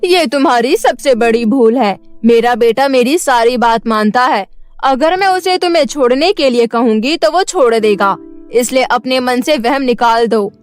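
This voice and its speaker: A woman's voice: fairly high pitch, expressive, moderate pace, natural voice. A woman voicing an angry, haughty middle-aged queen and mother-in-law in a cartoon story, scolding and emphatic. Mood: stern, domineering. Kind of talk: Hindi cartoon story dubbing. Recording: music bed behind the voice.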